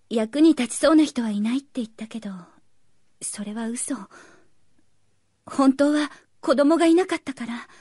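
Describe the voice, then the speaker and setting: A woman's voice: high voice, a little mellow, dry recording, studio quality. An actress playing a timid, tender-hearted young servant girl in a radio drama, hesitant, delicate and polite. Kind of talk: Japanese radio drama acting.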